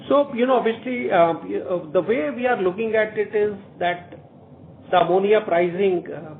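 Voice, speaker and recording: A man with an Indian accent speaking haltingly as a company executive on a corporate earnings call over a phone line. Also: high-pitched, creaky. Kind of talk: corporate conference call briefing. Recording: tinny phone line with faint noise.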